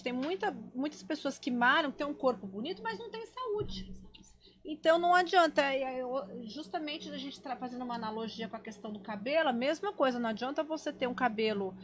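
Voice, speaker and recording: A Brazilian woman hosting a casual live interview, chatty and playful, often exclaiming. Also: sits high. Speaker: talk show host.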